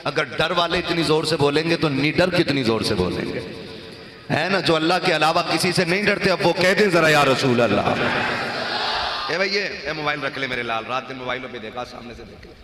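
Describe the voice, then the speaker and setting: A man's voice: fairly high pitch, brisk, a bit bright. A man giving a religious speech at a large gathering. He jokes with the crowd and calls for their responses. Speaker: invited speaker at a religious gathering. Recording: echoey hall with long reverb over PA.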